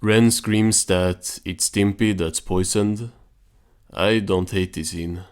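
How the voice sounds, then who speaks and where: A man with a low-pitched voice hosts a cartoon recap. His delivery is informal and deadpan, like offhand commentary. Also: takes it slowly, raised voice, very noisy.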